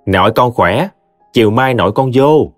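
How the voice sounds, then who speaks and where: A man's voice: mid-range voice, expressive, normal speed, no room sound, faint music behind, pitched above the performer's own voice, natural voice. A man voicing a cheeky, wheedling little boy in a told story. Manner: whiny, coaxing.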